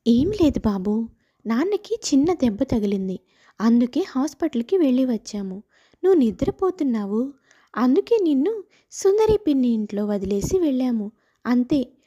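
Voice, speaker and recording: Woman as a high-voiced, pleading young daughter-in-law, mellow tone, dull lo-fi sound. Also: very animated, normal speed. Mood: gentle. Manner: pleading, tearful.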